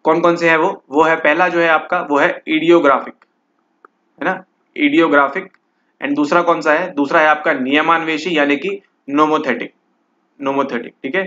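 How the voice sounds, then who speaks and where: A man's voice: fairly high pitch, fairly even intonation, normal speed, sharp tone. Man, exam prep teacher, talks through questions, checks in often, slightly dull recording. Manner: repeats "ठीक है" constantly, mixes English and Hindi.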